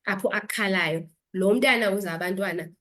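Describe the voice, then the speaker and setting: Brisk and a bit bright, this medium-pitched voice belongs to a South African-accented woman doctor guesting in an interview. She gives instructive health advice, alternating between two languages.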